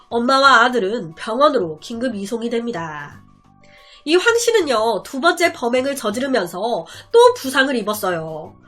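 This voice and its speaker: A woman's voice: high voice, a bit bright. A woman narrating a true-crime story in a dramatic, conversational storytelling style with rhetorical asides.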